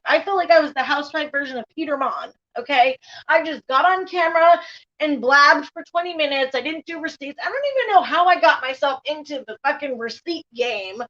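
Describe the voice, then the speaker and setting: Her voice sits high with a slight brightness as she hosts a YouTube commentary stream, laughing a lot while reacting in blunt, profane terms. The audio is lo-fi and a little dull.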